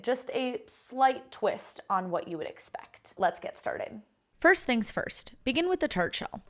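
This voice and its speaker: A woman's voice: mid-range voice, a bit bright. An American woman in her thirties, a pastry chef hosting a casual home cooking tutorial in her kitchen, upbeat and chatty with lots of "like" fillers. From United States. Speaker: baker and pastry chef, cooking show host.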